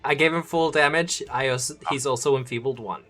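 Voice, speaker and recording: A man running a tabletop game, recapping last session in a loose, chatty way. His pitch sits mid-range, with faint music under the voice chat. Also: a little fast, a bit bright. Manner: chatty, laughing asides. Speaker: game master.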